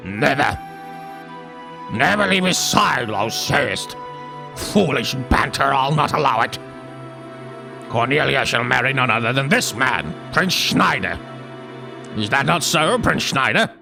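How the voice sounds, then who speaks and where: A man's voice: mid-range voice, animated, unhurried, gravelly, long pauses, over music. A man playing a pompous, stern old king and father in grand, archaic stage style for a fantasy game. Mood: imperious.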